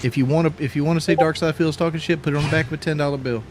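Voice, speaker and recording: A man's voice: fairly high pitch, fairly even intonation, rapid-fire, over music. A man chatting casually on a live stream, out of breath after a workout, rambling and repeating himself as he talks.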